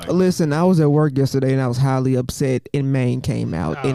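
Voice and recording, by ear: A man with a Memphis accent talks at a fairly quick pace, with medium pitch, ordinary pitch variation and very even loudness. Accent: Memphis Southern.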